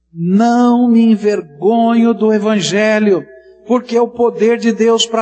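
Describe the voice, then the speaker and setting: A man's high-pitched voice at a fairly slow pace, with music in the background. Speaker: preacher. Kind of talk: sermon. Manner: expository, didactic; earnest, emphatic.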